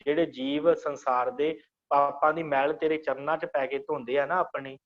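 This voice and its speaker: Guy teaching a scripture class online, kinda high voice, slow chanted verse lines then explains em, muffled lo-fi sound. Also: steady tone, a bit bright. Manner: explains patiently, recites verse lines slowly then glosses each word.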